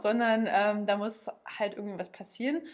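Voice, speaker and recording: A woman speaks at a fairly high pitch and moderate pace. It is an unremarkable speaking voice. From Germany, Lower Lusatia (Forst, Brandenburg). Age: 20s. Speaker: social media manager. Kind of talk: casual interview chat.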